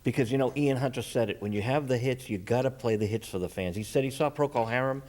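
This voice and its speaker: Male host, average pitch, informal conversational interview delivery. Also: fast, darkish tone. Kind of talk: casual chat interview.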